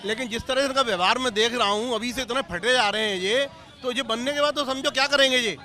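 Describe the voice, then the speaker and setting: Man politician, very high pitched and bright, blunt mocking rebuttals, hushes hecklers, faint crowd. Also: fast talker. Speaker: ruling party politician. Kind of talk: debate rebuttal.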